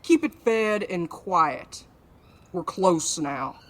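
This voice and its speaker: Woman playing a menacing, low-voiced commanding conspirator. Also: lively intonation, a bit bright, full character voice. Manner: curt, menacing, deliberate. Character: commanding, ruthless conspirator giving orders to underlings. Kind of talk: audio drama acting.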